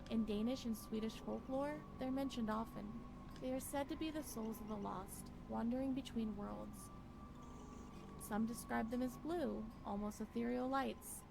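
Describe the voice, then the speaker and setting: A woman playing a fearful wife losing her grip on reality, narrating a horror game in a brooding, halting, theatrical way. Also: on the high side, gravelly, noisy background. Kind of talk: dramatic first-person horror game narration.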